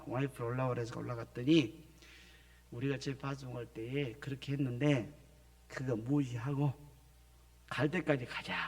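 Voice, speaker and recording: A middle-aged missionary from the Jeolla region preaches in a church sanctuary, his mid-range voice carrying a darkish tone. He gives a sermon testimony, telling his story and acting out phone calls in other voices.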